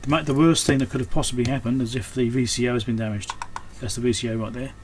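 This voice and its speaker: Male repairer, medium pitch, casual hands-on commentary, unscripted and trailing off, audible background noise. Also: steady tone, fast, a little mellow. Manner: unscripted, thinking aloud, trailing off mid-thought. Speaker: electronics repairer and video host. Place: indoors at a repair workbench. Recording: clear background noise, room ambience.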